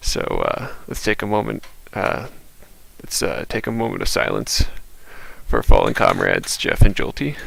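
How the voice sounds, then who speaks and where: The voice is quiet, with big swings in loudness and noticeable background noise. The pace is moderate, with long, frequent pauses. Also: man. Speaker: online gaming league commentator. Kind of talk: slideshow commentary on playoff scenarios. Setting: home recording late at night. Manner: quiet, held down because it is late at night; hesitant, many fillers.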